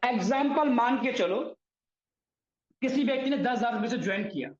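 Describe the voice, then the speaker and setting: A man's voice: very high-pitched, moderate pace. A man presenting and explaining an earning plan to viewers, often calling them friends and correcting his own figures as he goes. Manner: repeatedly addresses listeners as friends, corrects himself on numbers. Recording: echoey room, dull lo-fi sound.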